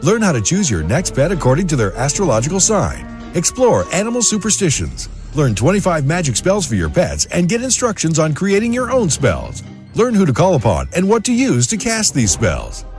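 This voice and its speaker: A man announces a book ad in a bright, promotional read. His pitch swings widely and sits slightly high. Clear music plays under him. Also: huge pitch swings, normal speed. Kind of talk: scripted ad read. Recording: music bed behind.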